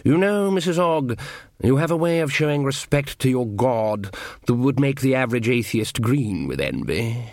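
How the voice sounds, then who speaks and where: A man voicing a huge, weary, lordly antlered god with a smooth, rich voice and a slow, condescending drawl, in a storybook reading. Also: mid-range voice, expressive, dry recording, clean studio sound, natural voice. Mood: languid disdain.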